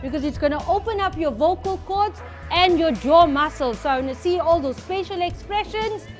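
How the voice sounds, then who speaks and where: A woman teaching a reading lesson to a class, lively and playful. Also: very high voice, normal speed, faint music behind. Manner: lively, switching to a playful storyteller persona.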